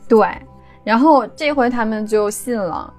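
A woman's voice: fairly high pitch, animated, unhurried, a little mellow, faint music behind. A woman hosting a podcast, telling a story in a chatty, casual way. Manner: chatty, with frequent erhua endings. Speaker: podcast host.

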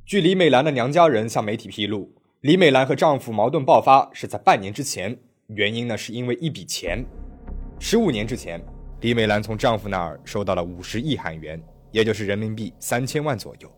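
A man's voice: lowish voice, expressive, a little fast. A man narrating a true-crime story from a script, telling it dramatically with rising emphasis.

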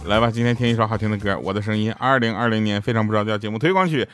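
A man's voice: lowish voice, racing, over music. A man hosting a joke show, telling funny stories in a casual, chatty way and often asking listeners to agree. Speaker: radio joke show host. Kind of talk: casual comic storytelling.

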